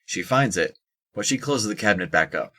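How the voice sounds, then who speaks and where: Deep low voiced narrator reading out the action for an audio drama. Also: animated, a little fast, pushed and bright. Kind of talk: scripted narration of stage action.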